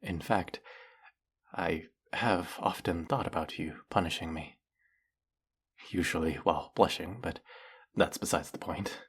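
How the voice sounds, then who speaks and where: A man performs a fanatical male demon familiar for a fantasy roleplay. The voice sits very low, with a husky, breathy grain. He speaks slowly and with formal, theatrical reverence, every phrase heavy with worshipful, lovesick devotion. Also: a bit bright, heavily acted. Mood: smitten, bashful. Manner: over-the-top reverent, formal, dramatic. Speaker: voice actor.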